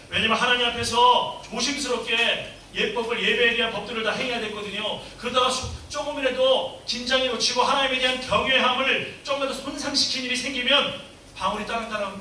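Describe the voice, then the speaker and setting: A man with a high, piercingly bright voice preaches emphatically, asking his congregation one question after another. He sounds set back from the mic in a very echoey church hall, with a faint hiss underneath. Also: far from the mic. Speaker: pastor. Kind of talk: sermon.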